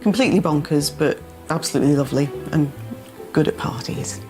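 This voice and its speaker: Woman, middle-aged, low voice, chatty and relaxed, casual interview, background music. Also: brisk. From Liverpool, England. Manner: chatty, relaxed, some hesitations. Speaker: house buyer.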